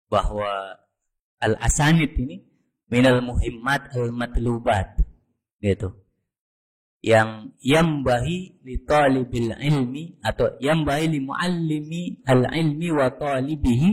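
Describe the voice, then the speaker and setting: A man with an Indonesian accent, a religious teacher, explaining scholarship in a measured way and quoting Arabic texts. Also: medium pitch, slightly rough, low-quality recording.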